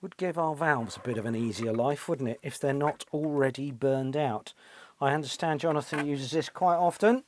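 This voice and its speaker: A British man, a repair channel host and electronics technician, muses at his workbench in a fairly high-pitched voice. He offers casual hands-on commentary, thinking aloud with tag questions, in a small, cluttered indoor workshop.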